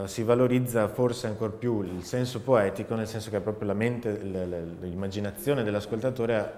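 Man, thirties, low voice, reverberant room, thoughtful halting explanation, artist interview. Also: a little mellow. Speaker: theatre and sound artist. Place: seated in a dark studio, indoors.

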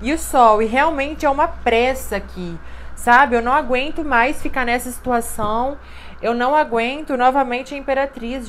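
A woman's voice: fairly high pitch, slight background noise. A woman giving an intuitive tarot card reading, talking in an emphatic, repetitive way and often checking in with "né?" and "sabe?". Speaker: tarot reader.

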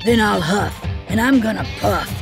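Woman putting on a gravelly, menacing big bad wolf. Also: mid-range voice, animated, over music. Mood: threatening. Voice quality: growling, gravelly. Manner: slow, drawn-out threatening calls.

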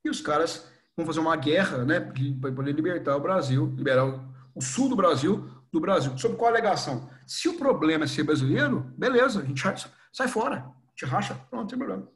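A young adult man with a Brazilian accent teaching a history class, animated and playful, acting out little scenes. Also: a little high, fairly quick, few pauses. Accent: Brazilian Portuguese. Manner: animated, acts out scenes with voices. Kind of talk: lively online class lecture.

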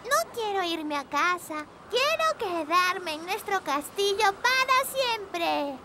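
Eager little fairy girl, very high-pitched. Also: sing-song, slow pace, very noisy, exaggerated voice. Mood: worried. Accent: Latin American Spanish. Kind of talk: children's cartoon dub acting.

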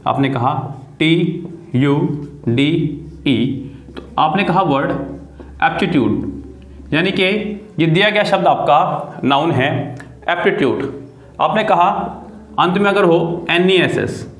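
A man teaches grammar in a video lesson, in a voice pitched somewhat high for a man. He spells words out letter by letter and keeps asking his students questions. The recording has the echo of a bare room. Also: expressive, takes it slowly, pauses often. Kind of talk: classroom-style video lesson.

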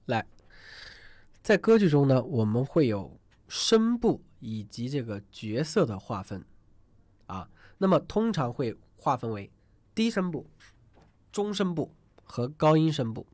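A man's voice: medium pitch, sing-song, a little slow, darkish tone, dry recording. A man teaching an online singing class, chatty and rambling, often asking students to type numbers in the chat. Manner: rambling with many fillers and restarts. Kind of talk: live online class lecture.

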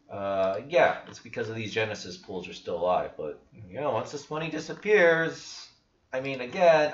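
A young man talks casually and bluntly, full of doubt, trailing off and restarting as he goes. His voice sits a little low. The sound is dull and lo-fi, bouncing around a small room. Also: reverberant. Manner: blunt, skeptical, rambling with restarts. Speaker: crypto channel host. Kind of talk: casual screen-share commentary.

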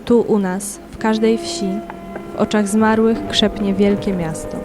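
A woman reciting poetry for an audio drama in measured, solemn, short phrases, with music behind her. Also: medium pitch, little pitch movement.

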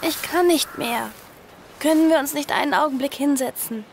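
A woman's voice: high-pitched, normal speed, a little hiss or hum. An actress playing an earnest, frightened girl on the run in a horror audio drama, both narrating and in dialogue. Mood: timid, weary.

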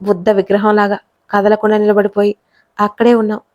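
A woman's voice: mid-range voice, completely flat delivery, brisk, darkish tone, dull audio, natural voice. A woman voicing a playful young woman. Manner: playful and chatty.

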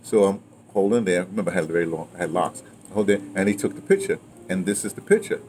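A man's voice: low voice, fast talker, darkish tone. Man in his seventies, noisy outdoor recording. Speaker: interviewee, audio drama veteran. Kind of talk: casual reminiscing chat. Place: outdoors, patio or yard of a building. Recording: clearly noisy outdoor ambience.

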